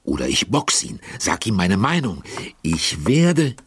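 Comically indignant kids' radio-play narrator, low voice with lively swoops. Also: male voice, a little slow, breathy edge, no room sound, full character voice. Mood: comic indignation. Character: indignant, meddling male storyteller, ready to brawl. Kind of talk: children's audio drama narration.

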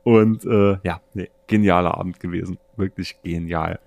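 A man of around forty from Germany, casually telling anecdotes as a podcast host in a chatty, animated way. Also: deep voice, moderate pace, vocal fry, dull audio. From Saarland, Germany. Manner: chatty, animated storyteller who acts out friends' dialogue.

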